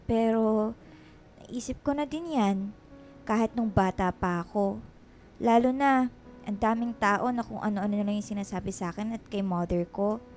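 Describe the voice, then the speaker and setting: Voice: mid-range voice, moderate pace, long pauses, a little mellow, faint music behind, natural voice. A performer voicing a flamboyant, witty gay best friend in a radio drama, with sassy, dramatic, slangy banter. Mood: earnest, comforting.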